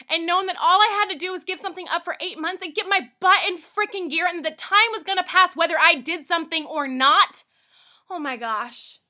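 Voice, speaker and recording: A woman in her thirties, a weight-loss coach, talking straight to camera in an emphatic, exclamatory way, moving between loud pep talk and soft confession. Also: high voice. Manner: emphatic, exclamatory, pleading with the viewer. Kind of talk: casual direct-to-camera testimonial.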